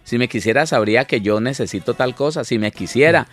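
A man's voice: mid-range voice, brisk, faint music behind. A man, a minister co-hosting a casual Christian talk show, acting out spouses in quoted lines and often repeating his words. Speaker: minister, co-host. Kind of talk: casual chat on a Christian program.

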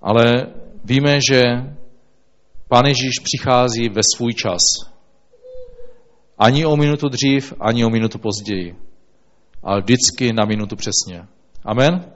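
A man reading scripture aloud and then preaching, in a slow, measured way with small restarts. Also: medium pitch. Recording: dull lo-fi recording.

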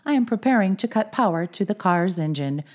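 A woman voicing a calm, overly smooth, bossy car AI that speaks in an even, polite, machine-like way in a comedy sketch. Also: medium pitch, a little fast, close to an everyday voice. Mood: smooth, robotic. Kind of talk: comedy radio sketch acting.

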